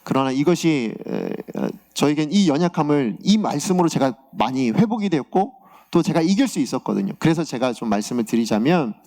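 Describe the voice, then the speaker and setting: A man's voice: medium pitch, a little fast. A male pastor giving a sermon, telling a personal story and acting out the words he heard in prayer. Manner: animated, acts out God's words in a raised voice; confessional storytelling about his own week.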